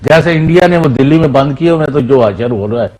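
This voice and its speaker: A man's voice: mid-range voice, lively intonation, fast, darkish tone, rough recording. Argumentative man. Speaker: panel guest. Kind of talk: TV debate.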